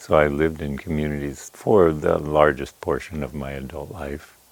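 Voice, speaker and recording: A man's very deep, low voice at a moderate pace. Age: 70s. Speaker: ecovillage resident. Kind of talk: interview.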